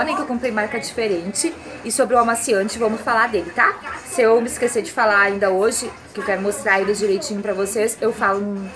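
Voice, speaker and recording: A woman, chatting casually to her phone camera while cooking and cleaning in her home kitchen, full of tag questions and fond diminutives. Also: mid-range voice. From southern Brazil. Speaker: home vlogger. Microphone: handheld phone camera.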